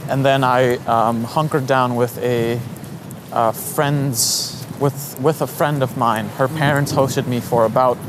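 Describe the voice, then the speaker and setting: A young man from Nepal, a guest in a relaxed conversation, talking with a few fillers and restarts. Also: medium pitch, slow pace, background noise. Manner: relaxed, hesitant, many fillers. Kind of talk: casual conversation.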